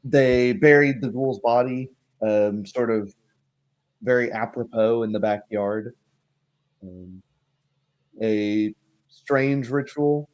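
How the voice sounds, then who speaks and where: Slow-paced, halting man hosting a game. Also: mid-range voice, dull audio. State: tired. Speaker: game master and host. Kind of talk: casual livestream chat and recap.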